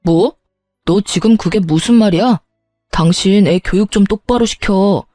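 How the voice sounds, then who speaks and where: Woman doing a shouting, bullying dad, mid-aged, curt, in a dark, dry voice over faint music. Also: medium pitch, unhurried, dry recording, natural voice. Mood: angry. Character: angry middle-aged husband and father.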